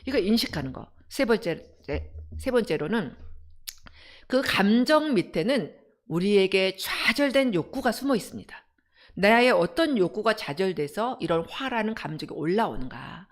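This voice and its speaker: A middle-aged woman, a counseling center director, giving an animated parenting lecture and asking her audience rhetorical questions. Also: mid-range voice, normal speed. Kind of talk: parenting lecture on a live broadcast.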